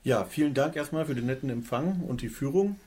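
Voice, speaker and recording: A man in his forties, a company director, answers interview questions, often pausing on fillers. His voice is dark and mellow at a middle pitch. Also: expressive, breathy edge. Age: 40s. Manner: hesitant, many fillers. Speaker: company director, radio guest. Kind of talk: radio interview.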